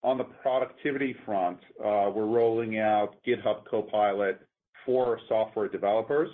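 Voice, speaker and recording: A man speaking as a company executive, explaining things methodically and haltingly on an earnings call. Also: fairly low pitch, fairly even intonation. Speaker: company executive answering analysts. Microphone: conference call line. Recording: muffled, narrow-band conference phone line.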